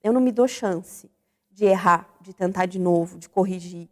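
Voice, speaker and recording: A woman's voice: fairly low pitch, moderate pace, big-room sound. A woman hosting a Christian radio talk show, speaking reflectively and putting questions to her listeners. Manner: reflective, animated, asks the audience questions. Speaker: host.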